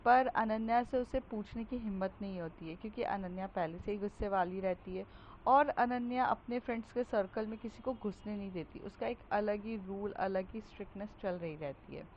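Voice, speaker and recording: A woman telling a love story casually, in a conversational way with pauses and fillers. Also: medium pitch, a little mellow. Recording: dull recording with faint hiss.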